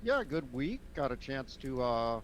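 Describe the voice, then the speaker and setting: Relaxed man with halting, filler-filled talk. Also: mid-range voice, a little hiss or hum. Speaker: podcast co-host. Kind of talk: casual sports talk.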